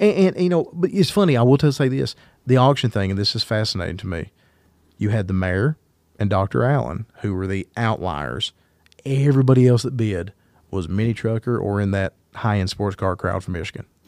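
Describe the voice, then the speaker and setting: A man with an Appalachian accent speaks at a fairly quick pace and fairly low pitch. His intonation is lively, and the sound is dry and close with no echo. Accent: Appalachian Southern US. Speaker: podcast host. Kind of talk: casual chat. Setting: studio.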